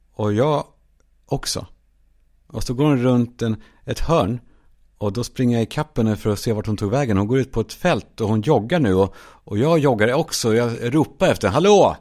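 Low-pitched guy doing a solo comedy podcast, deadpan rambling stories, yells the quotes. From Sweden. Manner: deadpan absurd storytelling, bursts into shouted quotes. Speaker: podcast host.

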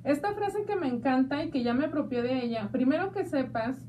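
A woman with a Mexican accent hosting a talk show, chatty and playful, speaking warmly to her listeners. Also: high voice, lively intonation, fairly quick, far from the mic, slight background noise. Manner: chatty and playful, calls listeners "hija de mi vida". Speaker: radio show host. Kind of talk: casual talk show chat.

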